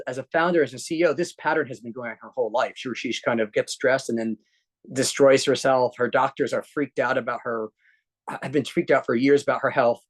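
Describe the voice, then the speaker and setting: A man speaking as an executive coach at a workshop, earnest, often checking in with "right?" and restarting sentences. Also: medium pitch. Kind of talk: workshop talk to a live group.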